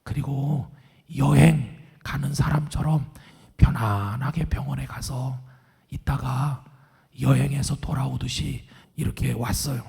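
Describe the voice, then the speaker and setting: A middle-aged male pastor preaching a sermon in a hoarse, raspy, half-whispered voice after vocal cord surgery, calm and earnest. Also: mid-range voice, a little slow. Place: large church sanctuary. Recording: long church hall reverb.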